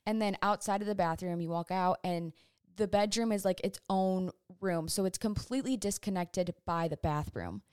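A woman's voice: medium pitch, moderate pace, darkish tone, clean tone, no room sound, clean studio sound. A young woman in her twenties telling a long, rambling storytime to camera in casual chat, sidetracking often. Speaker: vlogger. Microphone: phone or camera on a stand.

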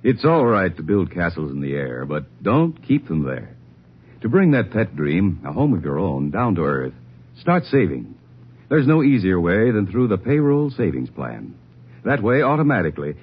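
A man's voice: sits low, wildly swooping pitch, moderate pace, breathy edge. A man reading a persuasive scripted advertisement in 1950s radio announcer style. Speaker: public-service advertisement announcer. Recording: dull 1950s radio recording.

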